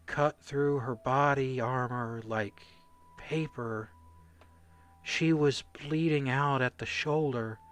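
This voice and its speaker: Man acting a very slow, dazed wounded-minded soldier. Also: mid-range voice, a bit bright. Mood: dazed, pained. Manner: halting, fragmented, dazed. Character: traumatised, drugged soldier, lone survivor recounting horror. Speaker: corporal under interrogation. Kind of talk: radio play acting.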